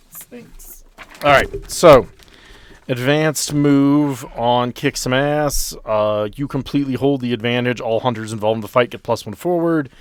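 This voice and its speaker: A man's voice: medium pitch, clean tone. A man playing a tabletop game, casually and bluntly narrating what his character does, with plenty of swearing.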